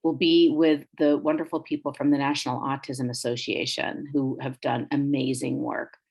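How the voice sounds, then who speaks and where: A woman's voice: rumbling low, little pitch movement, moderate pace, gravelly, breathy edge. A woman hosting a podcast interview, chatty and easygoing, with lots of ums and easy laughs. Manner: warm, chatty, many ums, laughs easily. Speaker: podcast host. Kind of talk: casual interview chat.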